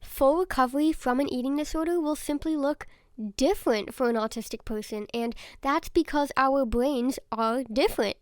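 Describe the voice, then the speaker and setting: High-voiced young woman, slightly raspy and congested. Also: darkish tone, no echo, clean studio sound. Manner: earnest, openly personal. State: sore throat and stuffy nose. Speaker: podcast host. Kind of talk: solo podcast monologue.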